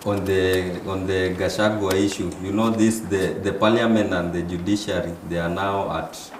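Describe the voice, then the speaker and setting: A man, speaking as a panel guest in a political discussion, halting and repeating words. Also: low-pitched, steady tone. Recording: echoey room with faint noise.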